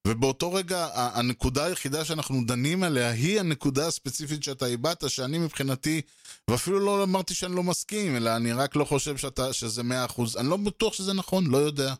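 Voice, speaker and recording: A man hosts a solo podcast in a fairly high, animated voice, recorded dry with studio quality. He talks through his thoughts loosely and conversationally, with lots of fillers and restarts, often acting out both sides of a quoted argument.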